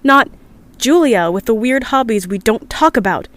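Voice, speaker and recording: A young woman with a fairly high voice records an earnest personal log in a sci-fi audio drama. She is upset and confiding, with a hesitant, emotional delivery that suits life in an underground hideout. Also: animated, normal speed, fairly bright tone. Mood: hurt, wistful. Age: young adult. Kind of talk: audio drama monologue, confiding diary entry.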